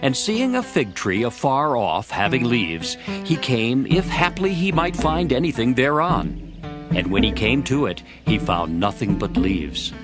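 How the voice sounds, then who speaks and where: A man reading scripted scripture narration in a measured storytelling manner for a dramatized Bible recording. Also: mid-range voice, sing-song, over loud music.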